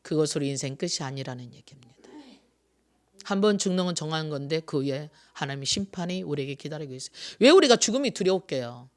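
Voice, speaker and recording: In a Sunday sermon, a pastor in their sixties puts question after question to the congregation in an animated, medium-pitched voice at a quick pace. Key phrases return again and again, pushed out loudly and then let fall into soft asides.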